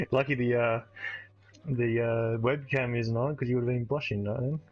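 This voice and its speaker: A man co-hosting a live stream, relaxed and quick to laugh. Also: medium pitch, dry recording, lo-fi sound. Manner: relaxed, laughs easily, swears. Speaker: stream co-host. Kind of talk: casual live stream banter.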